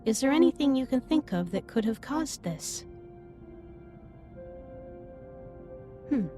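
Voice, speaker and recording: A woman playing a caring alien starship captain in a sci-fi audio drama, speaking formally and in measured phrases with gentle reassurance. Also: high voice, lively intonation. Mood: gentle, concerned. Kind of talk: scripted roleplay audio drama, intimate comforting monologue. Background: ambient music.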